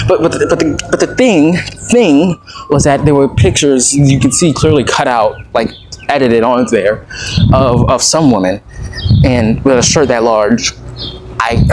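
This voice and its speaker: A young adult man giving a casual, rambling audio diary, hesitantly repeating words and trailing off, with a dry, self-deprecating manner. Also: mid-range voice. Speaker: vlogger recording an audio log. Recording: very noisy audio with clicks.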